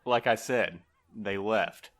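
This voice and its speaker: A man's voice: on the low side, takes it slowly, fairly bright tone. A man playing a flustered, wordy office manager in an audio drama, formal and bureaucratic in manner. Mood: exasperated, formal.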